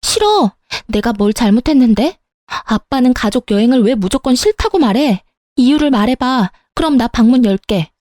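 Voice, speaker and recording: A sulky young daughter whines and argues back at her father, pleading and defiant, as a woman puts her on. The voice sits a bit high and is recorded close and dry for a story read-aloud. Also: moderate pace, mellow, no echo, close to an everyday voice.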